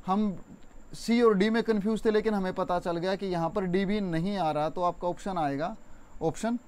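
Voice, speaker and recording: High-voiced man teaching a spelling lesson. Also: steady tone, darkish tone, clear, resonant tone. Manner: explains slowly, repeating and stretching words for stress; addresses viewers as friends, conversational. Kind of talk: exam-prep Hindi spelling lesson.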